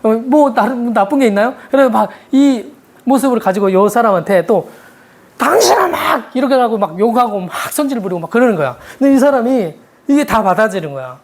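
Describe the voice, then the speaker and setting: A woman delivering a sermon in a relaxed, conversational tone. Her pitch rises and falls widely as she tells a story. She keeps asking her listeners rhetorical questions. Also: quick pace. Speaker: preacher.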